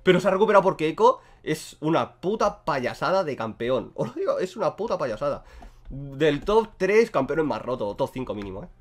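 A man from Spain commentating his own gameplay, excitable and swearing freely as he talks to himself and his viewers. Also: on the high side, fairly quick. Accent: Spain Spanish. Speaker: gaming streamer.

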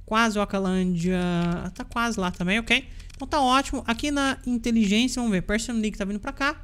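A woman with a Brazilian Portuguese accent hosting a let's play, commenting chattily with excitable reactions to the game. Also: mid-range voice. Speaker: gaming channel host. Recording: voice over loud game music. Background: game music.

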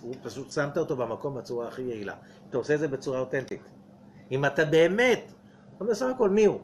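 A man's voice: fairly high pitch, darkish tone, slight background noise. A man, a rabbi giving a weekly Torah portion lecture. He asks the audience rhetorical questions and acts out little dialogues. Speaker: rabbi teaching Kabbalah.

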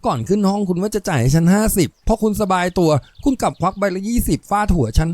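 A male storyteller plays a poor young streetwalker in an audio story. The voice is lifted high and swings widely, plaintive and wheedling, with wounded indignation in it. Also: expressive, fast talker, a little mellow. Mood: indignant. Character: young, poor, pleading female prostitute, a mother.

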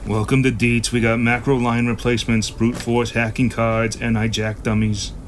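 Sci-fi audio drama: sly, swearing, sarcastic black-market shopkeeper male actor, mid-pitched, clear background noise. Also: little pitch movement, moderate pace, natural voice. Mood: weary. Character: foul-mouthed, sly black-market shop boss, grimly pragmatic. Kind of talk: science-fiction audio drama acting.

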